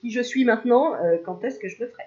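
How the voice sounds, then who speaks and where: Une femme qui tire des cartes de spiritualité, bavarde et joueuse, qui rit souvent et lance parfois des chants pour rire. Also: female voice, on the high side, fast talker, warm tone, dull audio. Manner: chatty, playful, laughs often, bursts into mock singing. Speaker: spiritual card reader. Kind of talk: casual card-reading video.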